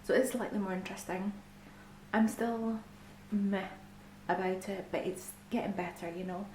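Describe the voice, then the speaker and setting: A woman's voice: medium pitch, fairly even intonation, moderate pace, darkish tone. A young woman with a Scottish accent, chatting casually in a reading vlog from home, full of ums and sometimes dropping to near-whispers. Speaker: book vlogger. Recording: echoey room with faint background hiss.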